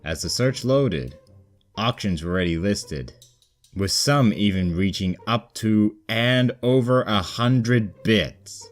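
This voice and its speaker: Male narrator for a comedic fan fiction reading, low-pitched, over a light music bed. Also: lively intonation, takes it slowly. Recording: background music under the voice.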